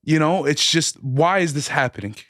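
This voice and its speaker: On the high side and fairly bright in tone, this American man's voice comes through clean studio sound with no echo. As a guest musician in a casual podcast chat, he's passionate, drawing out his emphasis on key points and using "dog" and "man."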